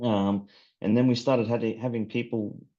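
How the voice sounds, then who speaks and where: In an Australian accent, the voice has a dark, mellow tone and monotone, flat intonation at a moderate pace. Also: man. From Northern Australia. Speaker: drone software company founder. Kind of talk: interview.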